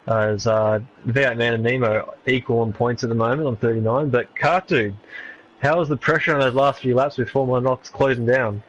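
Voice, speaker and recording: A man's voice: medium pitch, steady tone, a little fast, dull audio, a little hiss or hum. A man, co-commentating a sim race in easygoing, chuckling chat.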